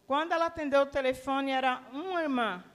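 A woman preacher giving a sermon testimony, telling her story in a lively way and acting out the dialogue. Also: high-pitched, fairly quick. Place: church hall. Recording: long church reverb.

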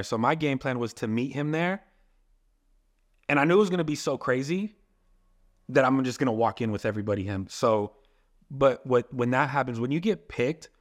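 A young man, a filmmaker and photographer, talking casually as a podcast guest and telling long rambling stories. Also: mid-range voice. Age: young adult. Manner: casual, rambling storytelling with many "like" fillers.

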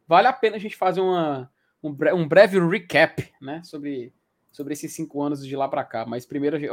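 A man hosting a live show in casual, slangy chat, reading viewer comments aloud. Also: a little high. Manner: excitable, slangy, full of fillers.

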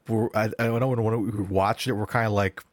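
A young man in casual podcast chat, talking in a rambling, animated way that keeps sliding into impressions. His voice sits a little low, recorded close and dry with almost no room sound. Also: a little fast, no echo. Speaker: podcast co-host.

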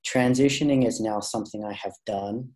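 A man's voice: on the low side, brisk, darkish tone. A man sharing his personal story as a podcast guest, speaking thoughtfully with frequent restarts and fillers. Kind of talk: candid personal interview.

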